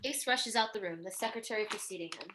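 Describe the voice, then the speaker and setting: Bright-voiced woman reading stage directions. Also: medium pitch, fast talker. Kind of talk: scripted narration.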